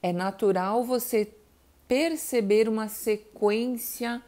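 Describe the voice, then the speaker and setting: A woman's voice: a little high, takes it slowly, warm tone. A middle-aged woman teaching parents about children's speech, explaining patiently, calling out to her listeners and sounding out baby syllables. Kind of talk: educational talk to parents.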